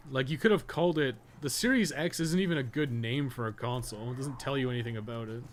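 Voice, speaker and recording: Over game noise, this man speaks quickly in a mid-range voice, rambling wryly through a casual live game stream with profane, loose phrasing. He's a streamer and podcast co-host.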